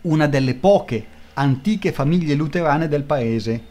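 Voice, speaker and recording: A man's voice: a little high, animated, unhurried, warm tone. A man reading aloud, voicing a haughty, imperious aristocratic grand duchess in a raised voice. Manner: imperious, skeptical.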